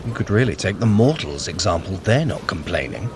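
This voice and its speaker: A man's voice: low voice, sing-song, fairly quick, noisy background. An actor playing a sly, scheming male trickster god in an audio drama, wry and commanding. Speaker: Loki.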